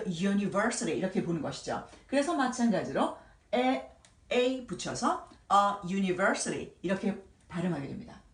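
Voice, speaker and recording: A woman teaching English grammar in a patient way, sounding out words slowly and repeating them. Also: medium pitch, echoey room, far from the mic. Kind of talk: explaining grammar at a whiteboard.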